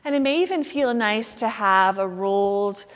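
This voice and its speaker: A woman teaching yoga nidra, guiding a meditation in a soothing, gentle manner with unhurried pauses. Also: medium pitch, lively intonation. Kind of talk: guided meditation instruction. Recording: long hall-like reverb.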